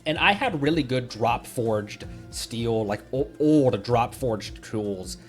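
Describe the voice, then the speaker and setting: A man's voice: medium pitch, lively intonation, takes it slowly, faint music behind. A young man chatting on a gaming livestream, rambling and making puns while he laughs often. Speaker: streamer. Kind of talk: casual gaming livestream chat.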